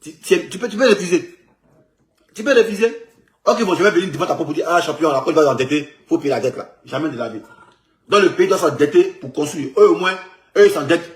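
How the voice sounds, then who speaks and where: A man with an Ivorian accent delivering an animated, casual political rant, emphatic, mocking and repetitive. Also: fairly high pitch, fast, echoey room.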